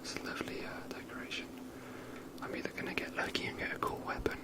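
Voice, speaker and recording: A person whispering casual, rambling ASMR commentary while playing a video game, in a breathy, unvoiced voice. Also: fast.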